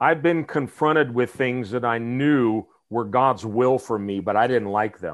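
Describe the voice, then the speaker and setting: Over a quiet background, a man speaks in a plain, everyday voice at a fairly slow pace, with a medium pitch and ordinary pitch variation. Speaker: preacher. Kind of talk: sermon. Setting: church.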